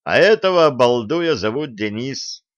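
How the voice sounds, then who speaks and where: A man's voice: medium pitch, lively intonation, unhurried, dry recording, close to an everyday voice. A man playing a stern, curt karate sensei. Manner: curt, commanding.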